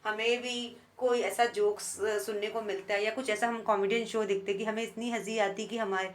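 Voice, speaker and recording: A woman teacher reading an English poem slowly line by line, then explaining it in Hindi with frequent restarts. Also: mid-range voice, steady tone, a little hiss or hum.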